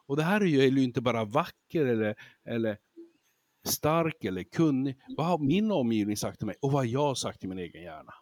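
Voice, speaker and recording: Lively storytelling man, dry close sound. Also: medium pitch, no room sound. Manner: lively storyteller who acts out examples and laughs easily. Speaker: lecturer and podcast guest. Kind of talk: casual interview talk.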